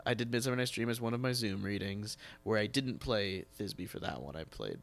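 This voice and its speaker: Casting: American man, conversational podcast host, very animated intonation, emphatic delivery. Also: fairly low pitch, brisk, vocal fry. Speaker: podcast host, theatre director. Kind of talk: casual interview chat.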